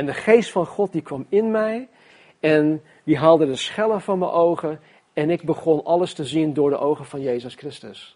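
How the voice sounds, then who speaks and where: A man's dark, mellow voice, fairly high-pitched, with ordinary pitch variation, a moderate pace and a quiet background. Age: 50s. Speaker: pastor. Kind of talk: sermon.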